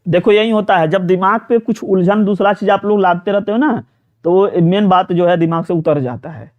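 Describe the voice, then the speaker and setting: This high-pitched male voice moves at a normal pace and sounds like it's coming through a phone. He's a Hindi teacher leading a live online exam-prep session, guiding students question by question, repeating himself, prompting them for answers, and filling gaps with plenty of fillers.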